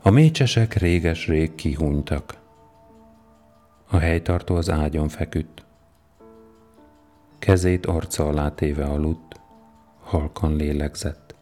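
A man narrating an audiobook in a slow, even, deliberate way. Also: a bass voice, soft background music.

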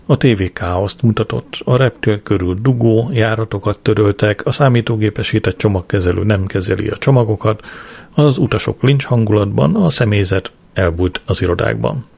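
A man's voice: lowish voice, vocal fry, a little mellow, breathy edge. A man reading a diary-style audiobook in a dry, matter-of-fact way. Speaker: audiobook narrator. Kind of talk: scripted diary narration.

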